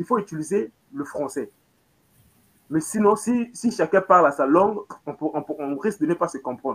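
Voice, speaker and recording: A man's fairly high voice with lively intonation, at a moderate pace. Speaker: radio host. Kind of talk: radio talk show.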